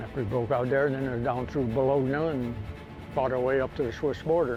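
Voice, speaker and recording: Over music in the background and audible room echo, a man with an Upper Midwest accent speaks very fast with fairly even intonation. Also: medium pitch for a man. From Minnesota. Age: 80s+. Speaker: war veteran. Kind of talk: interview storytelling. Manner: halting.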